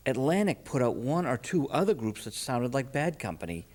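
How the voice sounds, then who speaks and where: A man works as an interview host, chatting informally about music. His mid-pitched voice has lively, varied intonation, and he rambles with a fan's enthusiasm as he builds up to his questions. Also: normal speed.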